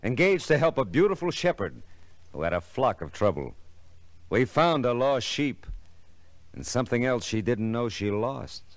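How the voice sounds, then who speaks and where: A man's voice: medium pitch, very animated, normal speed, no room sound, lightly acted. An American man acting a hard-boiled, wry private detective in a 1950s radio drama, clipped and slangy. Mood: wry narration. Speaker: lead actor and narrator of a radio detective show. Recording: old radio recording with music.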